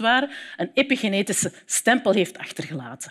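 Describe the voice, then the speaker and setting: A woman speaks at a moderate pace against a quiet background. Her pitch swings very widely. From Flanders, Belgium. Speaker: bioethicist. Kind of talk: lecture. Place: stage. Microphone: headset.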